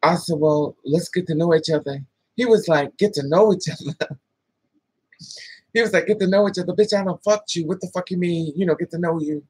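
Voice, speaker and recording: Talking to the camera, a vlogger in her thirties tells a dating story, swearing freely, laughing in asides, and acting out both people's lines in animated quoted dialogue. Her husky, breathy voice is on the low side and brisk. The close, dry recording has no echo but is rough.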